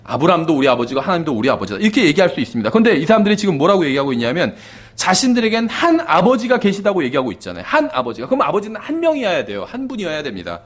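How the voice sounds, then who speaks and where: A male pastor preaching in a brisk, conversational way, with his voice swinging high and low. He keeps checking in with the congregation and lets phrases fade to a quiet low finish. His voice sits a bit higher than most men's. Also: wildly swooping pitch. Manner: conversational preaching, often asks the congregation "그렇죠?"; drops to a soft low voice at the ends of phrases. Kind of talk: sermon.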